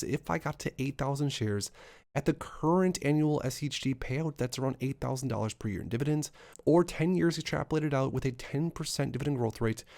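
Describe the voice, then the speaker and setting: A man in his thirties hosting an investing channel, talking fast through numbers with upbeat lists and asides. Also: medium pitch, creaky, darkish tone. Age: 30s. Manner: brisk, upbeat run-on explaining with lots of lists and asides. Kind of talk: solo finance talk to camera.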